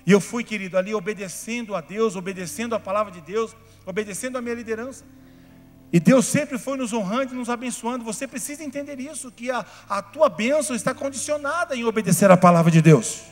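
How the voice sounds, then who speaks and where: A Brazilian man, a pastor, preaching a sermon, telling stories in a chatty way that builds to fervent shouting. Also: very high voice, fast. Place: church hall. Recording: reverberant church hall, faint music behind.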